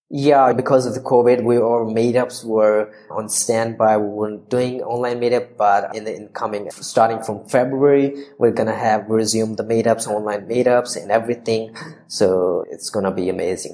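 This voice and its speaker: Over noticeable background noise, a man at medium pitch speaks at a moderate pace with hardly any pauses, his intonation flat and monotone while his loudness swings widely. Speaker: bitcoin association president. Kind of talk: interview.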